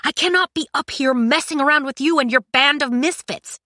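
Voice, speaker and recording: Woman acting out young male emperor, audiobook character, indignant, commanding, bright edge, close dry recording. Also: on the high side, animated, moderate pace, no room sound, pitched above the performer's own voice. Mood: outraged. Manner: emphatic, exasperated, commanding.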